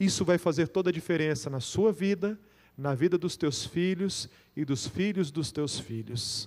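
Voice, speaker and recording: Ordinary pitch variation marks this man's fairly slow speech. Behind him, all is quiet. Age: 30s. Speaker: pastor. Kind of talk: sermon. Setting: church service, streamed online. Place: church. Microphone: handheld.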